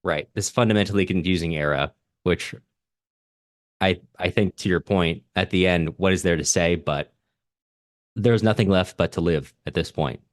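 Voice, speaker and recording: A man's voice: low-pitched, moderate pace, no echo, studio quality. A man co-hosting a casual literary discussion, talking in an earnest, analytical way. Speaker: podcast co-host discussing literature.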